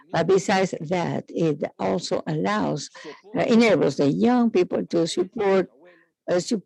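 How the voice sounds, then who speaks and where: A man giving live interpreted conference speech in halting, piecemeal phrases with frequent hesitations. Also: sits high, gravelly, a little mellow, low-quality recording.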